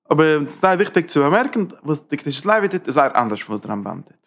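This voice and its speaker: A man giving a Hasidic text lesson, talking in halting Yiddish-style German that is full of Hebrew and English terms. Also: on the high side, very animated, a bit bright. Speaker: Torah teacher.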